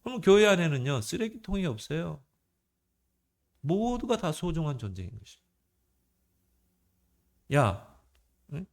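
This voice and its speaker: A man's voice: on the high side, very animated, brisk, pauses often. A male pastor delivering a sermon in a conversational style, asking the congregation questions and varying his emphasis. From South Korea. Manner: conversational preaching with rhetorical questions and shifting emphasis.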